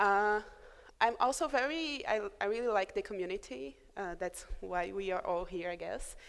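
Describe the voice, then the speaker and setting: In a very clean recording with a silent background, a woman speaks with a Portuguese accent and lively intonation. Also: medium pitch for a woman, moderate pace. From Brazil, Recife (northeast). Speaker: software developer, conference speaker. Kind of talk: conference talk. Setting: stage with audience. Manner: hesitant, many fillers.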